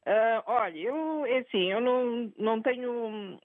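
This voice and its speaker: A woman's voice: fairly high pitch, a little slow, dry recording. Older lady from angola calling in, chatty, straight talking, tinny dry phone. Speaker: phone-in caller. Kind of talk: call-in opinion.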